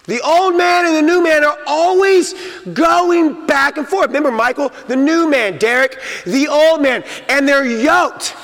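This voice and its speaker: Pastor guy preaching, pretty high voice, big echo tail from the church hall. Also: unhurried, fairly bright tone. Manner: emphatic preaching, acts out inner voices. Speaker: senior pastor. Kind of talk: sermon. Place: church sanctuary.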